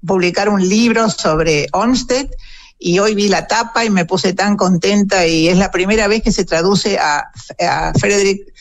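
A woman's voice: mid-range voice, unhurried, a little hiss or hum. A woman with an Argentine Rioplatense accent, a guest historian and author, explaining eagerly and chattily with plenty of fillers. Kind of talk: conversational interview.

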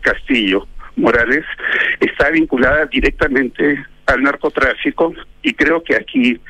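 A man's voice: medium pitch, sharp tone, no room sound, lo-fi sound. A man giving political commentary as a guest in a radio interview, arguing emphatically with ironic asides.

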